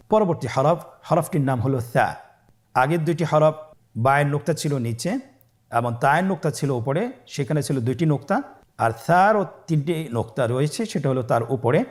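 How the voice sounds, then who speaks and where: A man's voice: medium pitch, lively intonation, normal speed. Patient man teaching Arabic letters. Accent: Bangladeshi Bengali. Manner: patient, repeats letters for the viewer to echo. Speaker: Quran teacher. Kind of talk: step-by-step Arabic letter lesson.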